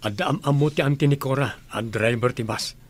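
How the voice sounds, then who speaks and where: An actor playing Dennis, an easygoing young groom, in a radio drama. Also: male voice, mid-range voice, fairly quick, lightly acted.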